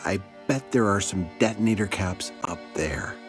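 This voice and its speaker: An actor playing an earnest, anxious captive prison warden in a video game, speaking with urgency. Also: male voice, low-pitched, moderate pace, music in the background, natural voice. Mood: anxious pleading. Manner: hushed, urgent. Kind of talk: video game cutscene acting.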